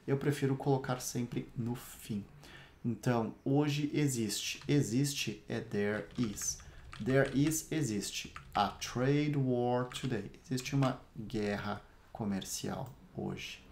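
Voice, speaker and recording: A man's voice: medium pitch, takes it slowly, gravelly, darkish tone, slight background noise. A man from Brazil teaching an English lesson, building phrases step by step and repeating words one at a time for the learner to repeat. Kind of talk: slow step-by-step language lesson.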